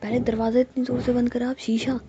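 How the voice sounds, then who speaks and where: A woman's voice: on the high side, level tone, quick pace, mellow, highs cut off, a little hiss or hum, pitched above the performer's own voice, lightly acted. A woman voicing an irritated male cab driver in a told story, blunt and grumbling.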